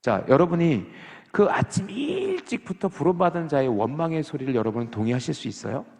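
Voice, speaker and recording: A man's voice: a little high, fairly quick. A man preaching a sermon as a pastor, questioning the congregation and acting out people's complaints. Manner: animated, asks the congregation questions, acts out complaints. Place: church sanctuary. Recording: long reverb of a church hall.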